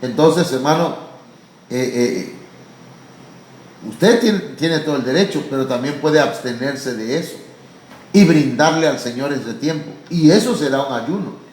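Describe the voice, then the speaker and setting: A man preaching a sermon as pastor, fervent and often addressing listeners as brother, sometimes rising to loud drawn-out cries. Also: mid-range voice, animated, reverberant, slight background noise, low-quality recording. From Mexico. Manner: fervent, repeatedly calling listeners "hermano"; rises to loud, drawn-out cries when acting out pleas. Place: church.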